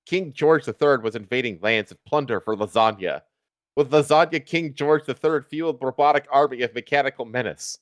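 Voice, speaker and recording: A man's voice: mid-range voice, brisk, dry recording, clean studio sound. A man doing a comic reading of fan fiction on a stream, with casual asides.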